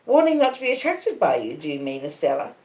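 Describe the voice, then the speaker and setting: A woman's voice: low voice, very animated, fast talker, darkish tone. Storybook role: devoted, anxious young suitor, restrained and earnest, Australian accent played by a female reader, roomy echo. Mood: puzzled, earnest. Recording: roomy, echoing conservatory sound.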